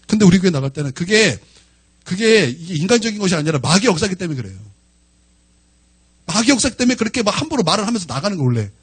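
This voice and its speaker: A man in his forties, a pastor preaching a sermon, telling personal stories with emotional swings between loud outbursts and quiet asides. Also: high-pitched, sing-song, fast talker, breathy edge.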